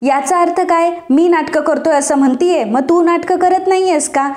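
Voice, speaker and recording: A woman's voice: very high voice, normal speed, a little mellow, voice pushed up. A woman voicing a proud, stubborn young husband who is sick, with boastful, dismissive retorts. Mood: mocking.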